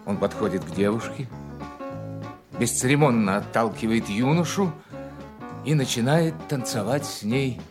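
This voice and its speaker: Plucked guitar plays clearly behind a solemn male narrator played by an actor. His voice sits at a medium pitch as he delivers scripted, dramatic narration for an audio play. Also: normal speed, pauses often, lightly acted. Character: solemn male narrator describing a stage scene. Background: guitar music.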